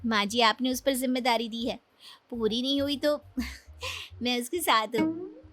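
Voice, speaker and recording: A young cartoon wife, played by a woman, high-strung and pushy, pitched up above the others with a sharp, bright tone. She pleads and sulks in the same breath, with faint music behind her. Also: lively intonation, a little slow, no echo. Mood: apologetic. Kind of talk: Hindi cartoon voice acting.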